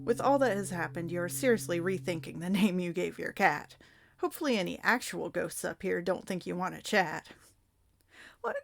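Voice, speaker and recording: A woman with a lowish voice and some vocal fry hosts a read-aloud of a choose-your-own-adventure book, reading expressively at a normal speed and tossing in playful, dramatic asides to the listener. Her delivery is animated, and music plays under her voice.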